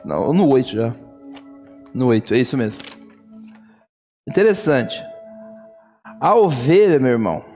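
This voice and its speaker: Fervent preacher, faint music behind. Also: male voice, medium pitch, very animated, measured pace, long pauses, a little mellow. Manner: fervent storytelling, repeating phrases. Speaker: pastor. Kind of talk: sermon.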